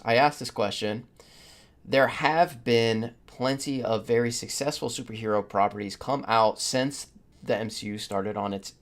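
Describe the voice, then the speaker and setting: A man with a lowish voice speaks as a podcast host in a casual panel discussion. His delivery is conversational, and he takes his time laying out his points.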